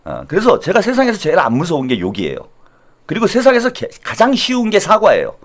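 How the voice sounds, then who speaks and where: A man hosting his own channel, telling a self-mocking satirical monologue, dropping to low asides and rising to loud outbursts. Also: fast talker. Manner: animated, self-mocking, jumps between low asides and loud mock-quotes. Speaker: channel host.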